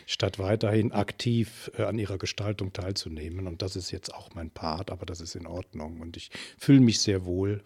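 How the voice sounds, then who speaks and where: An older man with a husky, rather low voice, answering interview questions slowly and thoughtfully. He hesitates often and restarts his sentences. The sound is dry and close, with no room around it. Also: a little mellow, no echo. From Germany, Eifel region. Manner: hesitant, many fillers and restarts. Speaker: interview guest, social worker.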